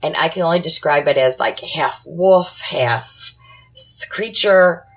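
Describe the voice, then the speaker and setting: A woman's voice: low-pitched, unhurried, fairly bright tone, soft background music, rough recording. A woman guest on a podcast telling her own paranormal experiences conversationally, in short, matter-of-fact dramatic phrases. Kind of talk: conversational first-person storytelling.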